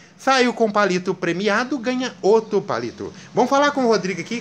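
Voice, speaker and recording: The speaker talks at a moderate pace over light background noise. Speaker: customer or announcer. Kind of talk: casual promotional talk to camera. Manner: upbeat. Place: shop. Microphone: phone near.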